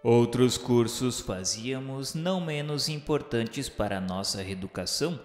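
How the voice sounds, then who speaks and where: A man's voice: mid-range voice, animated, a little slow, close to an everyday voice. A Brazilian man playing a remorseful male spirit who narrates a radio novela in solemn, formal, literary diction. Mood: sorrowful, remorseful. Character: remorseful male spirit of a suicide recalling the afterlife. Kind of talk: dramatized first-person narration of a radio novela. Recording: echoey hall reverb with music.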